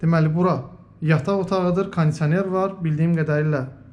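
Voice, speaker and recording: A man with a fairly high-pitched voice speaks at a moderate pace with ordinary pitch variation. Audible room echo and noticeable background noise fill the recording. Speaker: real estate agent. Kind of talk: property walkthrough tour. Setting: inside an apartment.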